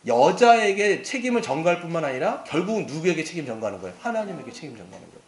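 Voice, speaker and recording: A middle-aged male pastor preaching a sermon in an animated way, acting out quoted lines and asking the congregation questions. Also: fairly high pitch, very fast. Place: church sanctuary. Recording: echoey church hall.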